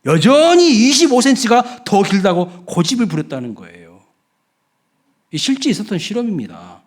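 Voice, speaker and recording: Male pastor, middle-aged, sermon delivery; higher voice with lively, wide-ranging pitch. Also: moderate pace. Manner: emphatic preaching, rising loud when acting out the thief.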